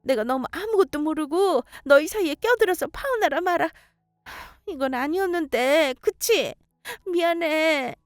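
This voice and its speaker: A woman's voice: animated, a little slow, dry recording, studio quality. A woman voicing a wailing older mother-in-law. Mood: coaxing. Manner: wailing, high, pleading. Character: older female mother-in-law, tearful, pleading.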